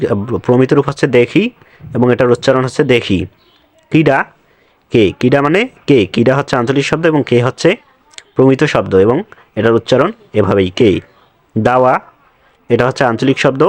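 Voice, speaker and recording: A young adult man teaching a class lecture, speaking slowly and spelling words out letter by letter. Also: mid-range voice, no echo.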